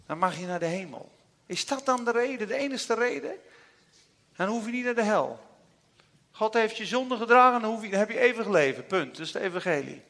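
Male preacher, high bright voice, hushed to booming, long hall reverb. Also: animated, brisk. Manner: impassioned, swings from hushed to loud. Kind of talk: sermon.

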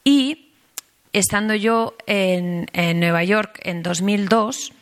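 A middle-aged woman from Spain, a historian speaking at a panel, telling a story in a lively, chatty way with many fillers and restarts. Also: mid-range voice, takes it slowly. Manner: animated storytelling with many fillers and self-corrections. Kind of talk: conversational panel talk.

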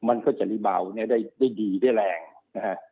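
A man working as a stock market analyst, explaining market cycles quickly and repeating himself, often checking that the listener follows. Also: on the low side. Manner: fast, repetitive explaining, often checks understanding. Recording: narrow phone-like sound.

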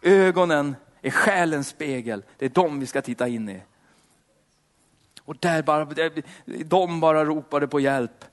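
A male preacher with a somewhat high voice leads a fervent prayer, calling on the Lord between nearly every phrase. He then preaches in a relaxed, slangy way, leaning on fillers as he talks to the congregation. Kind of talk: prayer and sermon.

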